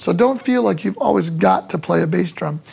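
Man with an American accent at a moderate pace, with noticeable background noise. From US Midwest (Detroit, Michigan). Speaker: drum teacher. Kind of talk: tutorial.

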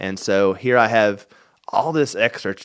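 A man with a Southern US accent, a fairly low pitch, and ordinary pitch variation. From Tennessee, rural. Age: 30s. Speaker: powerlifter sharing faith testimony. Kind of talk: testimony. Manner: halting, repeats words.

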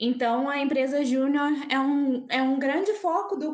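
Very slowly, a woman talks with intonation that stays fairly even. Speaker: economics student. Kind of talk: casual interview.

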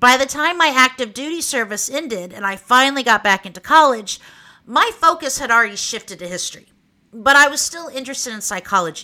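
In an Oklahoma accent, a woman uses a raised, projected voice with a high pitch at a fairly quick pace. Her intonation is lively, with big swings in loudness. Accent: Oklahoman. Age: 40s. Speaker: podcaster and historian. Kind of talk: scripted narration with chatty asides. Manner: casual, friendly.

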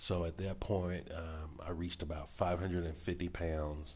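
Audible room echo surrounds a man with a very deep, low pitch. His delivery is somewhat breathy and monotone, with flat intonation. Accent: American. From Texas. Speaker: podcast host, military veteran. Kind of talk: monologue podcast, personal story.

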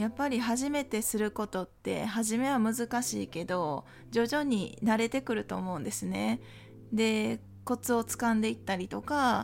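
A woman in a relaxed tone at a moderate pace, on a very clean recording with a silent background. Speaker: podcast host and forex trader. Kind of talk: casual solo chat.

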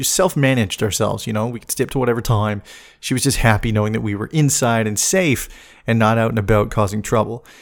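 A man with a Canadian accent talks at a very fast pace and a medium pitch. The recording is very clean, with a silent background. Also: ordinary pitch variation. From British Columbia, Canada. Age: 30s. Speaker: podcast host. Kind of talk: personal monologue. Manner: halting.

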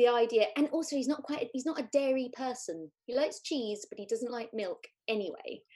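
A woman with a British accent speaks fast and with hardly any pauses, her high-pitched voice carrying a dark, mellow tone, lively intonation and big swings in loudness. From Britain. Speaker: comedian. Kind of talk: casual chat.

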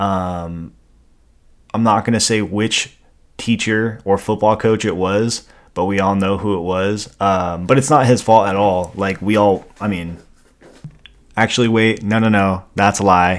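On a very clean recording with a silent background, a man speaks in a plain, everyday voice at a fairly low pitch, a moderate pace and fairly even intonation. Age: 20s. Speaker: fitness podcast host. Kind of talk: solo casual monologue. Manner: casual, filler-heavy.

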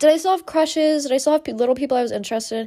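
A woman speaks in an animated tone. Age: 20s. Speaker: podcast host. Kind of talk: casual chat.

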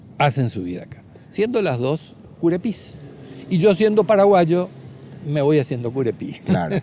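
Pausing long and often, a man with a fairly high pitch speaks with very wide pitch swings and big shifts in loudness. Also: moderate pace. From Paraguay, raised partly in Buenos Aires. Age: 60s. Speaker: former political activist, human rights campaigner. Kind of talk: testimony.

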